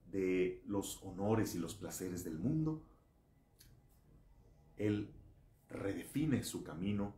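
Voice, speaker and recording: A man in his thirties with a Mexican accent, a priest giving a motivational religious talk with animated, emphatic storytelling and rhetorical questions. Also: lowish voice. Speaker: Catholic priest. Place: small indoor room. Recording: echoey room.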